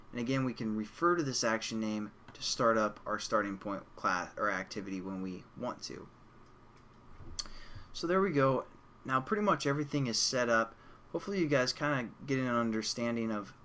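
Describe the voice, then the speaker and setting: A man hosting a casual programming screencast, chatty and relaxed, who says he is losing his voice. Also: lowish voice, slight background noise. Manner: relaxed, chatty, addresses viewers as you guys. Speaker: programming tutorial host.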